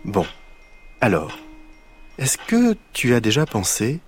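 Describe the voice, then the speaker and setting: A man voicing a kind, patient old grandmother who explains things gently in a storybook reading. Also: mid-range voice, wildly swooping pitch, slow pace, faint music behind. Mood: playful.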